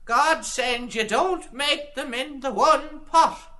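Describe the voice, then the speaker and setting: A man's voice: very high voice, slow, bright, forceful tone, exaggerated voice. A man voicing a wheedling, earthy old Irish woman as comic mimicry in an audio drama.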